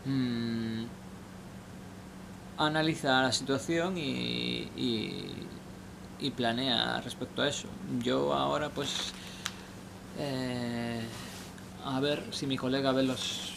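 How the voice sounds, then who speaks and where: A man's voice: medium pitch, slow pace, creaky, pauses often. A young man giving casual spoken advice outdoors at night, rambling and hesitant with many restarts. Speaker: vlogger. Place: outdoors under a station shelter at night. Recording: noisy outdoor night recording.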